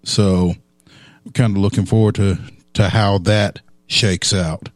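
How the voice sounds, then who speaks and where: A man co-hosting a local sports radio show, easygoing and unhurried, with plenty of ums. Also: fairly low pitch, steady tone, no room sound. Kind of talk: casual sports talk radio.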